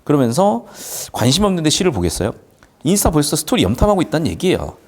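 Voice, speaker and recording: Lively, joking male literature tutor. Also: a little high, fast. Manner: lively, jokey, acts out characters' lines. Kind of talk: classroom lecture explaining a screenplay.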